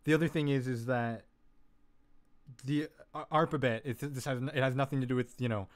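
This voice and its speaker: Male streamer, smooth clear voice, mid pitch, easygoing technical walkthrough, frequent self-corrections and filler words. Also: fairly even intonation, a little fast. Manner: rambling, self-correcting, lots of "um" and "like"; laid-back, jokey asides. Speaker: live-stream host teaching vocal synth tuning.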